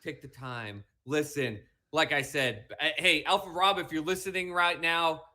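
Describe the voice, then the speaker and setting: Guy with a whiny kinda mushy voice ranting hard on a football show, bright and punchy. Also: a little high, moderate pace. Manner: emphatic, lecturing, repeats lines for effect. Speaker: podcast co-host. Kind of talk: animated sports talk rant.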